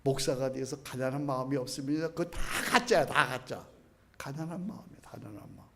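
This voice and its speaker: A middle-aged man preaching as a pastor, leading his congregation in call-and-response prayer, dropping to a hush and rising to loud chanting. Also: mid-range voice, fairly quick, background noise. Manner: swings between hushed lines and loud chanted prayer. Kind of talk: sermon.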